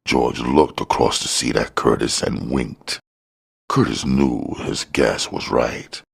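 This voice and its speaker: A man's voice: very deep voice, slow pace, gravelly, slightly rough. A man reading a crime novel aloud as an audiobook narrator.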